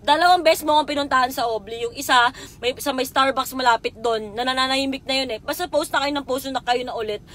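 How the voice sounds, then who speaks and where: A woman's voice: sits high, fast talker, fairly bright tone. A young woman telling a painful personal story straight to someone, emotional and swearing as she speaks. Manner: raw and emotional, swearing, addressing someone directly. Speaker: vlogger. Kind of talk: emotional confessional monologue.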